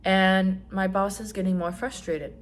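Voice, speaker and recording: A young trans man chatting casually in a vlog, rambling with lots of fillers and some swearing, his voice rising when he gets excited. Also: unhurried, slight background noise. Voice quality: voice still fairly high, rising when excited. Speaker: vlogger.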